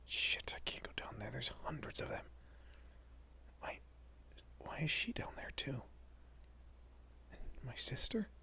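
A man playing a protective, easily bewildered young husband and father in an audio roleplay, with a husky, breathy, often whispering voice and halting, muttering delivery. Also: mid-range voice, big pitch swings, pushed and bright, full character voice. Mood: anxious, hushed. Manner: halting, muttering, mild swearing.

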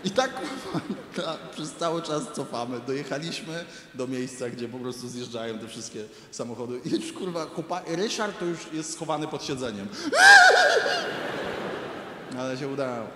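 A man's voice: medium pitch, a little fast, background noise. A man performing stand-up comedy, telling a profane story and acting out the people in it. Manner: animated, profane, acts out quoted people. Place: large arena stage. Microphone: handheld stage mic. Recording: echoey arena, crowd ambience. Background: audience laughter.

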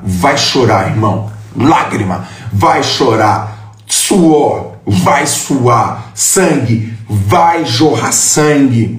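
A man giving a live motivational talk, blunt and profane, confronting his listeners with emphatic, punchy lines. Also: medium pitch. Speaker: motivational speaker. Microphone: live stream. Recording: echoey room.

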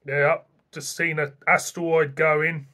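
Middle-aged guy rambling about a beer at home, voice on the high side, desk camera close by. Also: level tone, measured pace, bright, forceful tone. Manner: chatty, rambling, plain-spoken. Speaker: beer reviewer. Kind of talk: casual beer-tasting review to camera. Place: small indoor room at home.

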